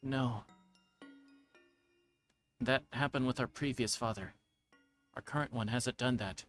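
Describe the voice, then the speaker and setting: A man's voice: mid-range voice, measured pace, faint music behind, lightly acted. A man reading the part of a caring, concerned teenage big brother from a visual novel. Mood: gently concerned.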